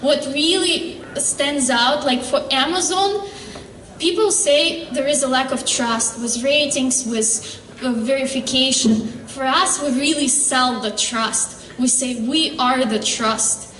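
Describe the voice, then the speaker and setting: Startup founder, woman, high voice, earnest pitch with frequent pauses and fillers, heard from afar. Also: a bit bright. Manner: earnest, halting with fillers and restarts. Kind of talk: pitch presentation and Q&A. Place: convention hall stage. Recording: echoey hall, distant mic.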